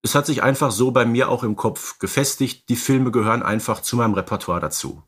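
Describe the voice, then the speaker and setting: A man's voice: medium pitch, fairly quick, fairly bright tone, breathy edge. A middle-aged man co-hosting a casual podcast, easygoing and a little hesitant as he qualifies what he says. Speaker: podcast co-host. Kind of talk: casual conversational podcast chat.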